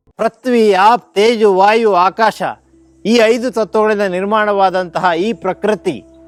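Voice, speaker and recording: A man speaks at a high pitch with fairly even intonation. The sound is dry and close with no echo, and music plays in the background. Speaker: naturopathy doctor. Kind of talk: promotional talk to camera.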